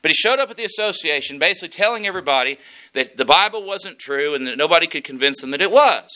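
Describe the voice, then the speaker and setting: Preacher guy, folksy and animated, bright edgy voice, a bit high. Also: quick pace. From West Texas. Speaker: pastor. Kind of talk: sermon.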